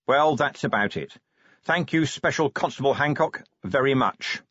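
A man narrator plays a weary, middle-aged watch commander in a fantasy audiobook. He is husky and sardonic, with dry wit and animated intonation. The sound is slightly dull. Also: medium pitch, normal speed, dry recording, pitched above the performer's own voice. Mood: wry, pleased. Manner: dry, wry. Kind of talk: audiobook character voice.

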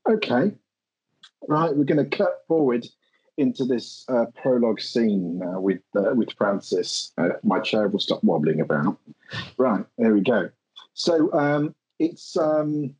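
A man's voice: medium pitch, darkish tone, slightly rough, dull audio. A man running a tabletop game as game master, hesitant and full of ums as he sets the scene. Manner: hesitant, many ums and uhs.

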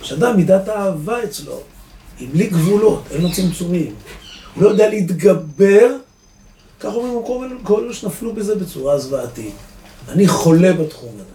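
A man, a rabbi giving a lively Torah lesson to a live audience, asking rhetorical questions and swinging between loud and soft. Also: sits high. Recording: echoey room, distant mic, faint noise.

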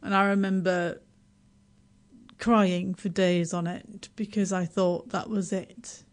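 A woman's voice: on the low side, level tone. A middle-aged woman from Yorkshire speaks with a Yorkshire accent. She talks as a guest on a radio show, laughing often and poking fun at herself. Her sentences start over and stumble along in a chatty way. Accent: Yorkshire English. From Yorkshire, England. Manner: self-deprecating, laughs often, halting restarts. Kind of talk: casual radio interview.

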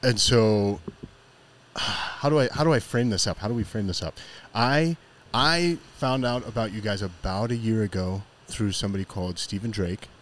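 Low-voiced man hosting, some background noise. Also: moderate pace, a bit bright. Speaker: podcast host. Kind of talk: casual chat. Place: on location at an eatery.

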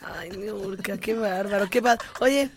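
A woman's voice: medium pitch, unhurried, soft background music. A woman with a Mexican accent co-hosting a gossip podcast, sarcastic and chatty, often laughing. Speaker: podcast co-host. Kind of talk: casual gossip chat.

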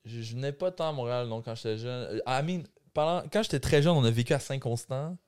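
A young-sounding Québécois man talks on a podcast in a loose, slangy way. His voice is smooth and clean, sitting at an ordinary middle pitch. He sounds relaxed and chatty. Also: quick pace. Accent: Québécois French. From Quebec City, Canada. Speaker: guest musician. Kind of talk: casual podcast interview.

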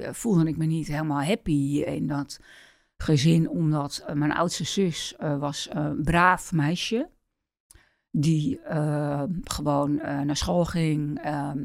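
Middle-aged woman from the Netherlands, low and gravelly, halting interview guest. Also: darkish tone, no room sound, studio quality. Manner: hesitant, many pauses and fillers. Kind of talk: personal life-story interview.

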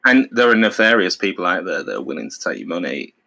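A man co-hosting a podcast speaks in a lower voice with a bright, forward edge. His pitch moves around a lot as he tosses in wry jokes and dry asides during casual chat. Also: very animated, quick pace, creaky. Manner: wry, riffs with joking asides. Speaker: podcast co-host.

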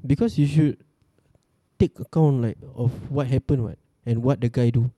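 Very mellow-voiced Singaporean man, casual banter. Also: mid-range voice, normal speed, dry recording. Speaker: podcast panellist.

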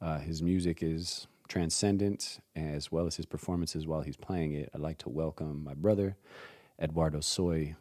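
A man around forty hosting a casual podcast chat, laid-back and quick to laugh. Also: a bass voice, steady tone, a little mellow, dry recording, studio quality. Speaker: podcast host.

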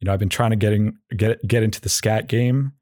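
A man with a fairly low voice hosts a casual solo podcast in a close, dry recording. He rambles in halting phrases, often doubling back on his words. His humor is self-deprecating and a little goofy. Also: fairly even intonation, a little mellow, dry recording. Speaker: podcast host.

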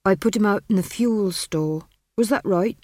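A woman's voice: mid-range voice, moderate pace, a little mellow, dry recording, clean studio sound, pitched above the performer's own voice, natural voice. A woman voicing a worried village blacksmith, a timid man with a hesitant, pleading manner, in an audiobook.

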